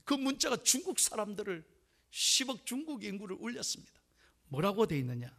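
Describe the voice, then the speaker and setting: High, animated Korean pastor preaching. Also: male voice, a little fast, gravelly. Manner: dramatic preaching, swinging between loud declarations and hushed whispers; leads the congregation in call-and-response. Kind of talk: sermon.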